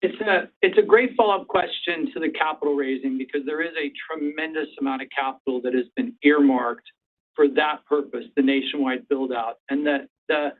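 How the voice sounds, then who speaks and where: A man speaking as a company executive on an earnings call, in a measured, deliberate way. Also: fairly high pitch. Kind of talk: prepared remarks and candid answers to analysts. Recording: distant, tinny phone-line conference call.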